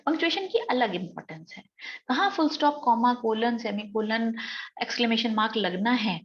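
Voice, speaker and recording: A woman with an Indian English accent teaches an exam-prep lecture, explaining each point step by step. Her voice sits a little high. The recording is slightly dull and lo-fi. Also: expressive. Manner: explains step by step, reads sentences out slowly.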